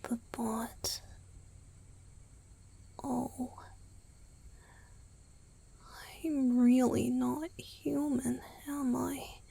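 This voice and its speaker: Girl doing a sad gentle vampire boyfriend for asmr, whispery and breathy, really slow and halting, confiding up close. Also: sits high, steady tone, full character voice. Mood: sorrowful, self-loathing. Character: tender, guilt-ridden young male vampire boyfriend. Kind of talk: romantic ASMR roleplay.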